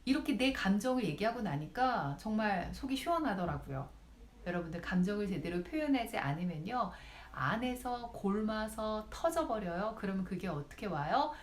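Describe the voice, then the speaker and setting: A woman speech lecturer talks straight to her viewers, giving advice. Her pitch rises and falls a great deal as she speaks. The room around her rings with a noticeable echo. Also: normal speed. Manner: lively, directly addresses viewers. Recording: roomy echo.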